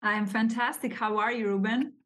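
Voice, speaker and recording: A woman in her forties from Albania, speaking English as a podcast guest and telling her story in an expressive, animated way. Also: on the high side, normal speed. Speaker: guest, real estate capital raiser. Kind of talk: casual interview storytelling.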